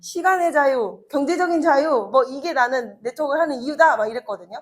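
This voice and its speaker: A woman's voice: high-pitched, animated, a little fast. A woman in her thirties giving a chatty motivational talk to an audience, telling personal stories with laughs and acted-out quotes. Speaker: network marketing speaker.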